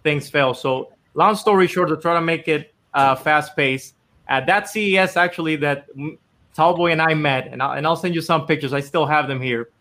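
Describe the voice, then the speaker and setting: A man's voice: fairly high pitch, moderate pace, pushed and bright. A man from the Dominican Republic, a company founder, telling his story in a casual, earnest, rambling interview with many fillers.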